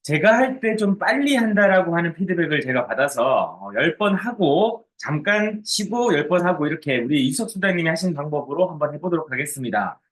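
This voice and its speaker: A man's voice: fairly high pitch, sing-song, fairly quick, few pauses. A man leading a group workout as a fitness coach, counting reps and giving short, commanding cues with encouragement. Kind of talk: live exercise class instruction with counted reps.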